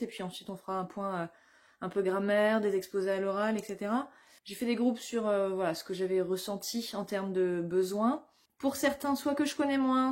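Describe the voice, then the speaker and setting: A middle-aged woman from France talks casually to her viewers about her teaching. She sounds eager and chatty, with plenty of hesitations. Her pitch sits in an ordinary middle range. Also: a little mellow. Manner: chatty, enthusiastic, many fillers. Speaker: English teacher. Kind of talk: casual vlog to camera.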